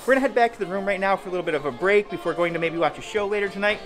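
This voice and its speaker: A man's voice: high voice, racing, a bit bright. Upbeat man vlogging on a cruise ship. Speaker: vlog co-host. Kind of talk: casual travel vlog chat. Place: cruise ship corridors, indoors. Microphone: camera at arm's length.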